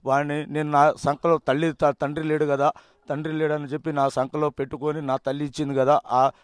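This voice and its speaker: A man from Telangana speaks to a reporter in a voice pitched a little high. He stumbles and breaks off words as he airs his grievances. The recording is dry and close. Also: clear, resonant tone, dry recording. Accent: Telangana Telugu. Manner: halting, broken-off words, complaining. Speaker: villager, relative of the accused. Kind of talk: emotional interview account.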